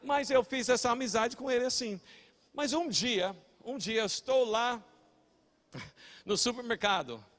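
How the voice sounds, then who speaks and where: An older male pastor preaches in a fairly high voice. He shouts his main points with force, then drops into relaxed, rambling anecdotes, stumbling and correcting himself as he goes. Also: unhurried, long reverb tail. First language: English. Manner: fiery preaching with shouted peaks, chatty storytelling and self-corrections. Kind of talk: sermon.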